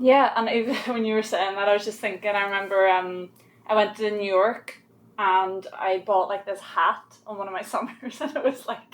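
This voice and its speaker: A woman with a strong Irish accent, medium pitch, fairly even intonation and a moderate pace. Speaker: podcast guest. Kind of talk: casual chat.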